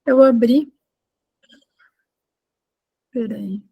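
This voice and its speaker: A woman from Argentina living in Brazil, a photojournalist giving an informal online talk in a halting, conversational way with trailing asides. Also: on the high side, vocal fry, dark tone, slightly rough. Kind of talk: informal online presentation of own work. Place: video call.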